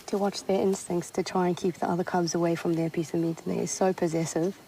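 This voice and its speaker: A woman's voice: fairly low pitch, little pitch movement, quick pace, dark tone, low-quality recording. A woman giving unscripted field commentary in a nature documentary.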